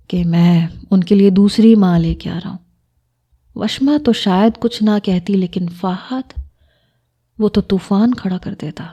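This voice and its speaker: Mellow-voiced woman narrating a story. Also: mid-range voice, highs cut off. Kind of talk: scripted first-person story narration.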